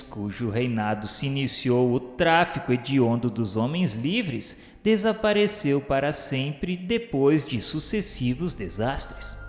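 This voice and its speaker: A man with a Brazilian accent reading a solemn radio drama narration in a measured, grandiloquent way. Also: medium pitch. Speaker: narrator of a religious radio novela. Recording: reverberant hall echo, music underneath. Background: background music.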